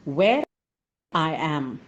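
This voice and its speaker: A woman's voice: deep voice, very animated, dull audio. A woman with an Indian accent giving a structured, emphatic speech evaluation as a recorded message. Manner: measured, structured, emphatic on key points.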